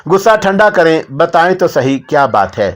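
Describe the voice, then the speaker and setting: A man voicing an anxious, motherly middle-aged lady of the house who pleads gently. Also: fairly high pitch, very animated, moderate pace. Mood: worried. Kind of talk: audiobook character voice.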